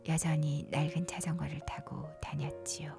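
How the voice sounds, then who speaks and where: A woman whispers a bedtime story softly and breathily, leaning into a gentle, unhurried narration with short pauses between phrases. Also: low voice, flat delivery, vocal fry. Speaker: narrator retelling a film story for sleep. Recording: soft music behind the whispering. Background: music.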